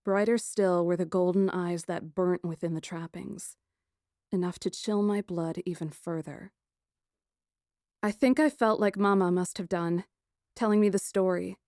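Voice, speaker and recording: A woman reading a first-person fantasy story as an audiobook narrator, dramatic and expressive. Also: lowish voice, no echo, studio quality.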